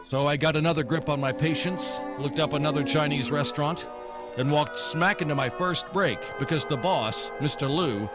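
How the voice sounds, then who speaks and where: A man acting as a dogged, wisecracking American gumshoe from a 1940s radio noir. His delivery is wry and clipped, with a tough, weary edge, set over clear background music. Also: on the high side, normal speed, lightly acted. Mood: weary, brooding. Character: hard-boiled, wisecracking male private detective, world-weary, dogged.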